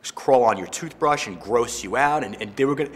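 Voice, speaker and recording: A game co-creator, a man, telling lively anecdotes in a documentary interview, with many "you know" fillers. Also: medium pitch, a little fast, a little hiss or hum. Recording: reverberant room with music underneath.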